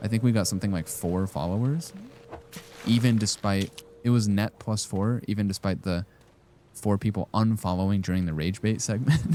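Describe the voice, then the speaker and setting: Noticeable background noise sits behind an animated tone delivered at a moderate pace with ordinary pitch variation. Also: man. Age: 30s. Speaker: video game streamer. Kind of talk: casual live-stream chat while gaming. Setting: live stream, talking to chat.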